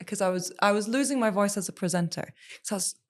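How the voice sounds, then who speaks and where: Woman singer-guest, emphatic, repeats key words, mid-pitched voice. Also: fast talker. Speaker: singer and former TV presenter, guest. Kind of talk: podcast interview.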